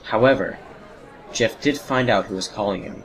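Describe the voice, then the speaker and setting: A man narrating a horror story in a solemn, measured, dramatic scripted style. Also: fairly low pitch, creaky, crowd noise, rough recording. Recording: home recording with background noise and ambience.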